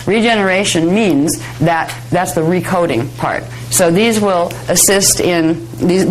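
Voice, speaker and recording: A woman teaching a live workshop, slightly hoarse, explaining at length in a chatty way, with fillers and soft laughs. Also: lowish voice, low-quality recording. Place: workshop room. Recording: 1999 workshop video, faint music.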